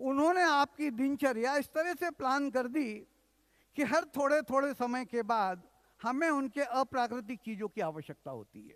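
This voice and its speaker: With a dry, close sound and no echo, a man's extremely high voice shows ordinary pitch variation alongside big swings in loudness. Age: 70s. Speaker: motivational speaker and industrialist. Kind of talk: workshop talk. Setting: stage with audience.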